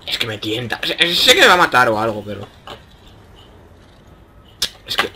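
A young man mutters and jokes through a game, his voice bright and forward. He rambles to himself in a casual, playful way. Faint hiss and clicks sit behind him. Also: mid-range voice, wildly swooping pitch, normal speed. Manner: chatty, joking, mutters to himself. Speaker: gaming youtuber. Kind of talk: casual gameplay commentary.

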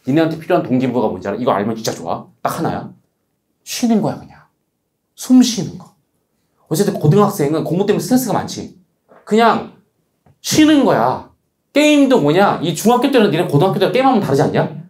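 Man, study coach, slightly high voice, lively pitch, blunt teasing lecture, roomy echo. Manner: blunt, casual, teasing talk to teens, quick rhetorical questions. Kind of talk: lecture to students.

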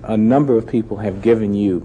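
Young man, interviewer, low pitch, dark mellow tone, hesitant calm questions, faint background hiss. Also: brisk, lo-fi sound. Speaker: host. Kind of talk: televised interview. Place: television studio.

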